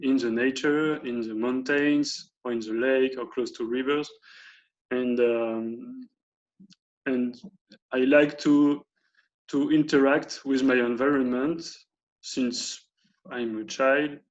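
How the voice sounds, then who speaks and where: A man with a French accent speaks very slowly at a medium pitch, with long, frequent pauses. His intonation stays fairly even. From France. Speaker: fitness trainer and civil engineer. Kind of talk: interview. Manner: halting.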